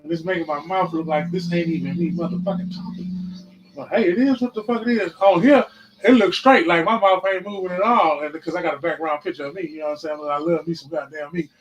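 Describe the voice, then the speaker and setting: A man in his forties hosting a casual livestream podcast, mixing loud, repetitive outbursts with profane, slangy sermon-like talk. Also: fairly high pitch, quick pace, a little hiss or hum, poor audio. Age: 40s. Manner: profane, slangy, calls out viewers. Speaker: podcast host. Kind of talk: casual preaching and chat. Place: livestream, home setup.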